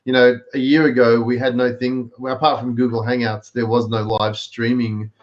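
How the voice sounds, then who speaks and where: A man's voice: medium pitch, flat delivery, moderate pace. A man with an Australian accent, hosting a casual live stream chat and explaining things with many fillers over a video call. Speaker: live stream show host. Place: home, in the US. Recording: dull lo-fi video call audio.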